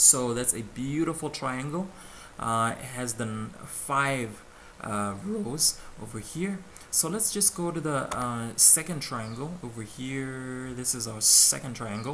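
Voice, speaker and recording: A man with a non-native accent speaks at a fairly slow pace and a medium pitch. His intonation is lively, and room echo is audible. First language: not English. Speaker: coding tutor, channel host. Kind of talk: tutorial. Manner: casual, hesitant with fillers.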